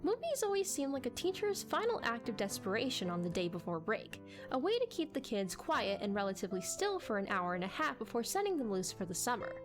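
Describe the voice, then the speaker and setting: Lively, high-voiced woman narrating a story. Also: fairly quick, music in the background. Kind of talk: dramatic audiobook-style scripted narration.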